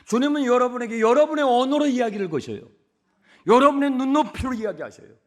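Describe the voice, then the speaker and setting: The pastor talks fast and expressively in a very high voice as he delivers a sermon at the pulpit of a church sanctuary. He sinks into hushed whispers, then loudly repeats words for emphasis, and conversationally poses questions to the congregation.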